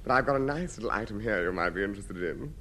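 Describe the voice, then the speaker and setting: An actor playing a smug, genteel householder who keeps selling junk in a 1950s radio comedy, with a wry, sly patter. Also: male voice, lowish voice, expressive, fast, a bit bright. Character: smug, sly middle-class householder, man.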